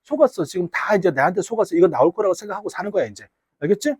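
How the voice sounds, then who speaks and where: Lively, husky-voiced man teaching a class. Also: high-pitched, racing, no echo. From Gyeongsang region, Korea. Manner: teasing, chatty, banters with students. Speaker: high school English teacher. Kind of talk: casual classroom lecture. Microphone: wearable mic.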